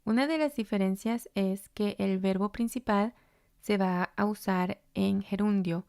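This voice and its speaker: A woman teacher explains grammar at an unhurried pace, patiently repeating each example. Her voice is smooth and clear, recorded dry and close with no room sound. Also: mid-range voice, fairly even intonation, a little mellow, dry recording. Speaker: English teacher. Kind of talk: instructional explanation.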